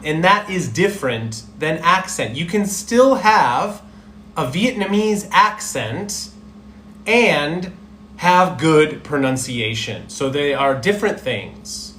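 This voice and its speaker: A man's voice: a little high, a bit bright, slight background noise. A man teaching English on a live stream, encouraging his students and often checking in with "okay?". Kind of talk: live-streamed speaking lesson. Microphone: live stream mic. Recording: roomy echo.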